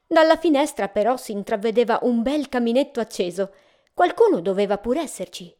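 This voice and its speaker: A woman narrates a storybook in a calm, measured way, her voice sitting slightly high. She gives each sentence a gentle, unhurried shape, as if reading aloud to listeners.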